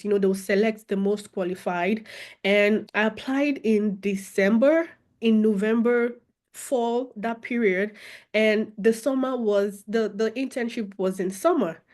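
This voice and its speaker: Expressive young woman with a Nigerian accent. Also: medium pitch. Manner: expressive, animated, with laughter and repeated phrases. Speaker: guest, former international student. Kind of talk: conversational interview storytelling.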